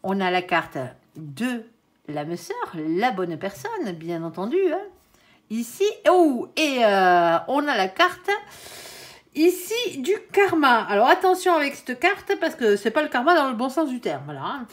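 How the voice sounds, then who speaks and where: Chatty lady doing a tarot reading, voice bouncing up and down a lot, kinda high, keeps saying hein. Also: big pitch swings, unhurried. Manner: addresses viewers and her angel directly. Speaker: tarot reader. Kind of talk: casual tarot card reading.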